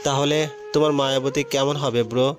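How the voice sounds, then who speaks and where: A man's voice: mid-range voice, fairly even intonation, moderate pace, natural voice. A man reading the part of a casual, curious young male friend, with music behind.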